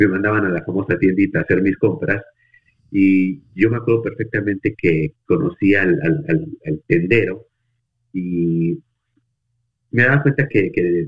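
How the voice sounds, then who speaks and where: A man talks in a normal speaking voice. His pitch is fairly low and his pace moderate. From Mexico, Tulancingo, Hidalgo. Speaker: media executive. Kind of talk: interview.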